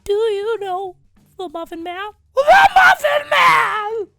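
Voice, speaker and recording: A man's voice: extremely high pitch, very animated, takes it slowly, gravelly, shouting, over music, pitched above the performer's own voice, exaggerated voice. A man switching impression voices, playing a huge, grumpy cartoon ogre who bellows indignantly.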